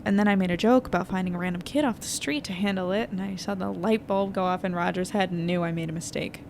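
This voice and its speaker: A woman playing an anxious, weary young newspaper editor in an audio drama, confiding and hesitant as she thinks out loud. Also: on the low side, fast, gravelly. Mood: uneasy, doubtful. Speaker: lead narrator of an audio fiction podcast. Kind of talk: intimate naturalistic audio drama monologue. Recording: noisy airplane cabin ambience.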